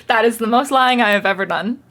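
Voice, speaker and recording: A woman's voice: fairly high pitch, moderate pace, fairly bright tone, a little hiss or hum. A woman in her early twenties chatting as a podcast guest, joking and laughing often. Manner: giggly, joking. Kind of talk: casual chat.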